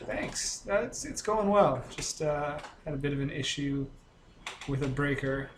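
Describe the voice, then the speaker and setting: A man's voice: on the high side, lively intonation, measured pace. A man playing a tabletop game, chatting casually and speaking for his character. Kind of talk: casual chat and in-character play. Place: indoor room with other players. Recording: echoey room with clear background noise.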